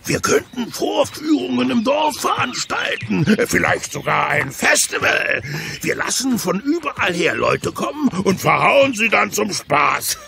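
An actor playing a big, naive Gaul warrior who loves a brawl, childlike and booming, in a cartoon audio play. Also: male voice, big pitch swings, unhurried, vocal fry, pushed and bright, slight background noise, heavily acted. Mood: cheerful, musing.

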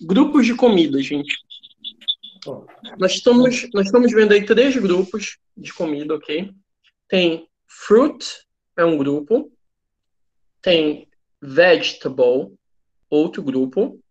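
Brazilian guy teaching on a video call, jokey and relaxed, a bit muffled. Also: high-pitched, slow pace, pauses often. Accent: Brazilian Portuguese. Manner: joking, relaxed classroom banter. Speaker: English teacher. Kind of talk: online class teaching. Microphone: computer mic on a video call.

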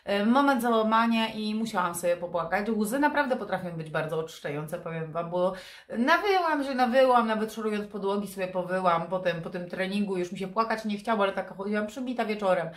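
A woman's voice: medium pitch, fast, few pauses, roomy sound. A woman in her thirties with a nasal, stuffed-up voice from a blocked nose and sore throat, chatting candidly to camera in a casual vlog. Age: 30s. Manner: candid, confiding. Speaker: vlogger. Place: furnished room indoors. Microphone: camera propped in front of her.

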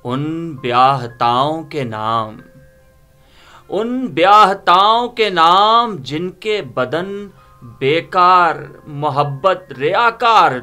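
A middle-aged man giving a dramatic poetry reading in a theatrical, solemn and deliberate manner. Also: fairly high pitch, lively intonation, bright, forceful tone, clean tone. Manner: theatrical, solemn, deliberate phrasing with repeated lines. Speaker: poetry reciter. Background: background music.

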